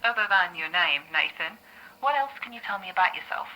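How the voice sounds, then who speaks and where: An actress playing a calm, patient therapist who gently coaxes her client to talk. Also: fairly low pitch, a little fast, low-quality recording. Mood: gentle. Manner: gentle, encouraging, coaxing. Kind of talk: audio drama acting.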